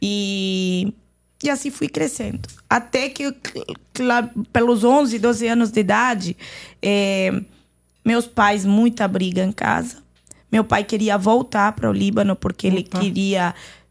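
Her pitch is medium for a woman, with ordinary variation. She speaks at a fairly slow pace and leaves long, frequent pauses. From Lebanon. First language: Arabic (speaking Portuguese). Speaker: missionary. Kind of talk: testimony.

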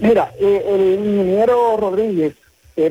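Slowing to a fairly slow pace, a man speaks in a dark, mellow tone. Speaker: civil defense official. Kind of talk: radio interview.

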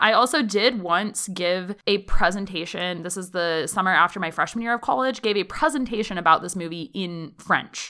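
In an American accent, a woman speaks at a moderate pace with a medium pitch, lively intonation and a bright, sharp tone. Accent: American, described as nasal. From USA. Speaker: podcast guest. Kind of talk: casual chat.

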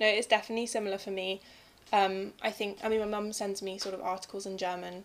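In an English accent, a woman talks at a very fast pace and medium pitch with monotone, flat intonation. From England. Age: 20s. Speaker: university student. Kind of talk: casual chat.

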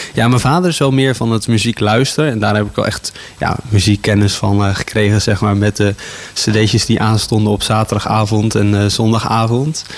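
Over noticeable background noise, a man talks at a moderate pace in a fairly low pitch with fairly even intonation. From Netherlands, Houten (Utrecht). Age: 20s. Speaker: local councillor. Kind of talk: interview. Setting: radio studio.

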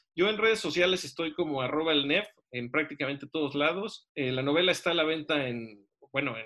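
With an unremarkable speaking voice, a man holds a moderate pace, his fairly high pitch varying in an ordinary way. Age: 30s. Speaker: writer. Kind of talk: interview.

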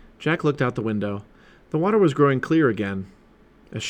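Someone reads aloud, using a natural voice. There is lively intonation throughout.

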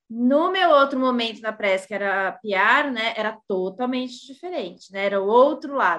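A woman speaks with a high pitch. She keeps a moderate pace. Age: 40s. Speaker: journalist and sexologist. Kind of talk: interview.

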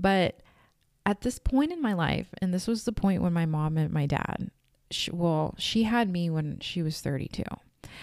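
Fairly low in pitch, a woman with an ordinary speaking voice speaks fairly slowly with ordinary pitch variation. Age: 30s. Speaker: podcast host. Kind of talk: casual monologue. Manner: conversational, laughs often.

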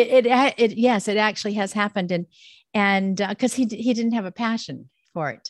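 With an American accent, a woman talks at a fairly quick pace and fairly high pitch with ordinary pitch variation, in a dry, close sound with no echo against a quiet background. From South Carolina, US South. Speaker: business owner, former nurse. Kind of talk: casual interview.

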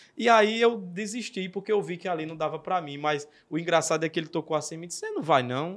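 A man with a high voice speaks at a very fast pace, with big swings in loudness. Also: very clean recording, silent background. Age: 30s. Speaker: journalist and political candidate. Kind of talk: casual interview.

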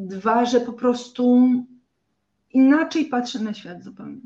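In an unremarkable speaking voice, a woman talks at a fairly slow pace and a fairly high pitch. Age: 30s. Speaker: leather handbag business owner. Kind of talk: live interview.

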